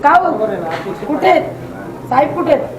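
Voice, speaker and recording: A woman's voice: sits high, normal speed, very echoey, recorded from a distance. A woman citizen arguing insistently and confrontationally with municipal staff, repeating her demands. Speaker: citizen complainant. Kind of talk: heated argument. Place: municipal office visitor room. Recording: busy office crowd behind.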